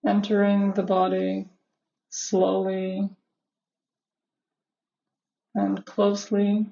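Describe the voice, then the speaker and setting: Slow woman doing guided meditation, creaky voice, long pauses, kinda dull audio. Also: mid-range voice, completely flat delivery, warm tone. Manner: measured, instructional, with long pauses between phrases. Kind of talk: guided meditation, live session.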